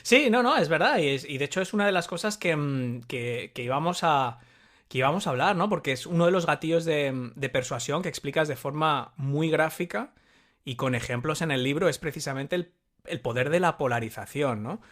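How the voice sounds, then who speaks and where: A man's voice: fairly high pitch, a little fast, a bit bright. A man hosting a podcast, asking questions with many restarts and hesitations. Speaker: podcast host, interviewer. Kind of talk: interview questions.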